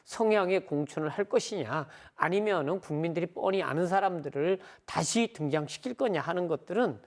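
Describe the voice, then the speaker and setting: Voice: medium pitch, lively intonation, fairly quick. A professor analysing election trends on a TV panel, explaining steadily and closing points with hedged conclusions.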